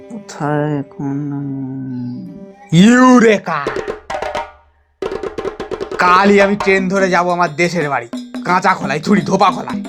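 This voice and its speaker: Audio drama lead, male actor: self-important young ringleader with lofty ideals, declaiming, quick to exasperation, over background music. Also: high-pitched. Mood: bossy, grandiose. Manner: declamatory, bombastic, easily exasperated. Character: bossy, grandiose young male gang leader turned do-gooder. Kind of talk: theatrical audio drama acting. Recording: music behind the voice.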